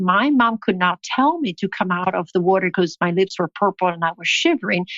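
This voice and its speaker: With an Italian accent, a woman speaks at medium pitch and a moderate pace with ordinary pitch variation. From northern Italy. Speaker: shark diving instructor. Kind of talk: interview.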